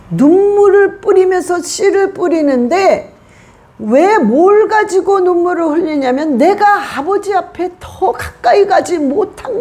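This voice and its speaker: A woman pastor delivers a passionate church sermon, her high voice swinging widely in pitch. She keeps putting rhetorical questions to the congregation and leans hard on each point. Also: a little mellow. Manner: emphatic preaching with rhetorical questions.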